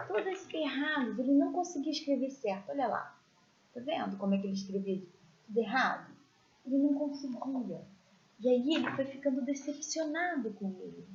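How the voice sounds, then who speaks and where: A woman teaching a children's religious class, telling stories in a gentle, expressive way and pointing out pictures as she goes. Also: high-pitched. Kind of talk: storytelling lesson for children. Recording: echoey room, dull lo-fi sound.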